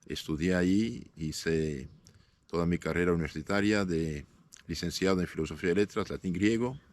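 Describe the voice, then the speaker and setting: A man in his fifties, born in northern Syria with Aramaic as his first language, answering interview questions as a priest in a measured way, often pausing with fillers. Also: low-pitched. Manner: measured, halting with frequent "eh" fillers and restarts.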